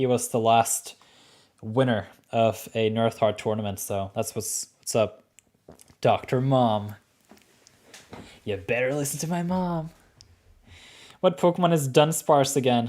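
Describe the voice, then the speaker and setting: A man with a Norwegian accent at a medium pitch, lively intonation, a fairly slow pace and long, frequent pauses, on a very clean recording with a silent background. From Norway. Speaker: gaming livestreamer. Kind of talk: live gameplay commentary. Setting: livestream. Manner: casual, filler-heavy.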